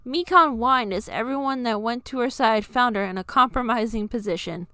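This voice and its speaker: A woman's voice: fairly high pitch, moderate pace, sharp tone, smooth, no room sound, studio quality. A woman reading a scripted story aloud as its narrator. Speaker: narrator reading own fan fiction.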